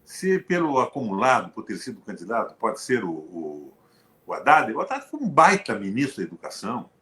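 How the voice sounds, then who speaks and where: A man's voice: lowish voice, moderate pace. Older brazilian guy ranting about politics, punchy and sarcastic, roomy echo. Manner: emphatic, animated, with sarcastic asides. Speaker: former senator, show host. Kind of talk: political conversation. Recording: echoey room.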